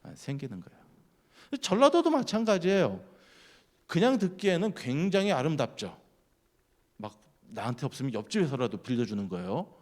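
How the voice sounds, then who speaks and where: A man giving a sermon at a church, keeping it lively by putting questions to the congregation. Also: mid-range voice, normal speed. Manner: lively, keeps quizzing the congregation. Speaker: guest speaker at a church.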